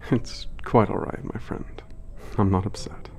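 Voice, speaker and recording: A man voicing a gentle, melancholy giant protector, soft-spoken and formal, who narrates in a reflective, often whispered voice. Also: fairly low pitch, fairly even intonation, a little slow, creaky, a little hiss or hum. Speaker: narrator of letters home. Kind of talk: ASMR audio drama narration.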